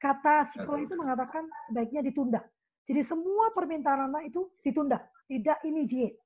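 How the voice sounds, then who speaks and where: A middle-aged woman with a high voice gives an animated talk on parenting. She keeps slipping into the words she says to her child. The recording is dull and lo-fi. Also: a little fast. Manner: animated, acts out her own lines to her child. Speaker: parenting guest speaker. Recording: dull lo-fi sound.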